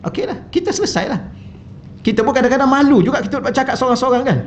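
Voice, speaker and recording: A man's voice: extremely high pitch, lively intonation, quick pace, slight background noise. A man with a Malaysian Malay accent, a religious teacher giving a chatty, humorous mosque lecture full of anecdotes, on a wireless mic in a mosque hall. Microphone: wireless microphone. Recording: slightly dull lo-fi sound.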